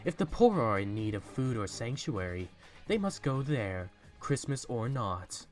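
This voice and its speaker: A man's voice: medium pitch, sing-song, a little slow, a little mellow, faint music behind. A man playing a cold, miserly, irritable company boss in a fan audio drama, curt and scornful.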